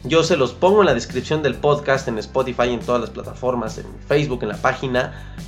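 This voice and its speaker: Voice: mid-range voice, brisk, faint music behind. A podcast host with a Mexican accent speaks in a motivational monologue, coaching the listener, repeating key phrases and using colloquial slang.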